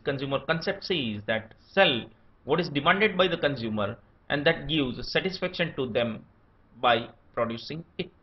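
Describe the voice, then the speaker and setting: Male lecturer, Indian accent, steady itemized delivery, lively intonation, muffled lo-fi recording. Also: on the high side. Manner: steady enumerating delivery, lists points one by one. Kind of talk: scripted academic lecture. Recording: dull lo-fi recording.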